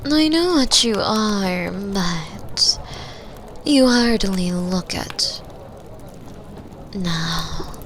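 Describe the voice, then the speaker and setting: Woman acting a slow, sultry mature flirt. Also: medium pitch, a bit bright, a little hiss or hum, heavily acted. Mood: teasing, coy. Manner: slow, sultry, breathy, drops into near-whispers. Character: flirtatious mature woman bar patron, teasing and confident. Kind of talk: binaural roleplay audio drama, intimate second-person acting.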